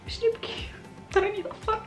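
With music playing in the background, a fast-talking woman in her late twenties chats casually and expressively while taking viewer questions. The small indoor room, which has red curtains, is echoey.

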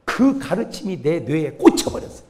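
A man's voice: a little high, normal speed. A male pastor delivering a humorous revival sermon, telling stories and acting out the quotes. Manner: lively storytelling with acted-out quotes. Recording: long reverb of a church hall.

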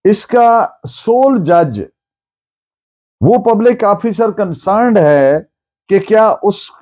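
An older man with a South Asian accent giving a formal, deliberate legal lecture, explaining points with frequent pauses. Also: high-pitched, expressive, darkish tone. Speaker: law lecturer. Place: book-lined office or study, indoors.

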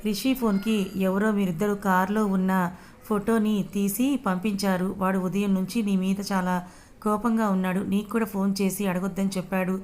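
Caring big brother in an audio story, read by a woman, soothing, flat pitch. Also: fairly quick, close to an everyday voice. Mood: gentle. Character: caring older brother figure, gentle man.

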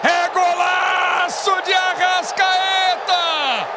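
Man shouting explosive goal commentary. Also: very high voice, fairly even intonation. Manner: drawn-out shouted goal calls, repeated phrases. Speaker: football play-by-play commentator. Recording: loud stadium crowd noise behind. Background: roaring football stadium crowd.

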